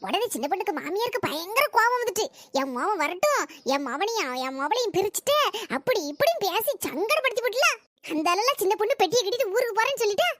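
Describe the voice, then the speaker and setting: A woman's voice: very high-pitched, sing-song, fast talker, fairly bright tone, dry recording, studio quality, full character voice. A woman voicing a scheming neighbor who spreads gossip, in a cartoon comedy. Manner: breathless storytelling gossip.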